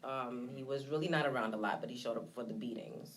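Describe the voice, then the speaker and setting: A woman's voice: a bass voice, slight background noise, rough recording. A woman from Trinidad, raised in Brooklyn, speaking candidly and hesitantly as an interview guest. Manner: candid, reflective, hesitant with many pauses. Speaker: guest, nonprofit founder. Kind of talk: personal testimony in an interview.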